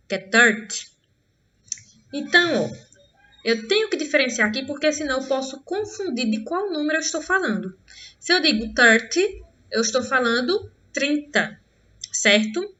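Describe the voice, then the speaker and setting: A Brazilian woman teaching English to children, drawing out each English word slowly and often checking in with the class. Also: high voice, pushed and bright, highs cut off. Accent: Brazilian Portuguese. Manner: slow, drawn-out modelling of English words. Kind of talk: online class for young pupils.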